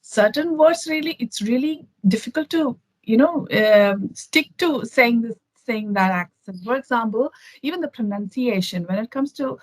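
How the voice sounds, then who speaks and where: A woman's voice: a little high, expressive, moderate pace, dry recording, low-quality recording. A woman from Kerala with an Indian accent, chatting thoughtfully as a guest on a video call, with many fillers and restarts. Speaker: interview guest. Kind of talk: casual conversation over a video call.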